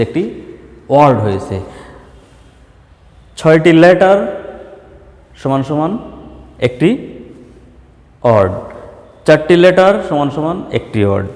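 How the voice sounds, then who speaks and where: A Bangladeshi man teaching a primary school lesson, asking questions and answering them himself, sometimes drawing out examples slowly. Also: fairly high pitch, darkish tone, in a large hall. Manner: slow, drawn-out dictation of examples. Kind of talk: online class lesson.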